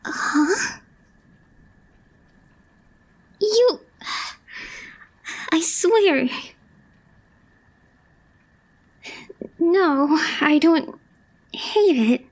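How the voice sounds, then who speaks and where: Woman acting a slow, high, soft-spoken shy girlfriend. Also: expressive, heavily acted. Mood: flustered, bashful. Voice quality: soft, breathy, often whispering. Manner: hesitant, understated, slow with long pauses. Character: calm, reserved young woman coworker, shyly smitten girlfriend. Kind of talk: wholesome ASMR girlfriend roleplay.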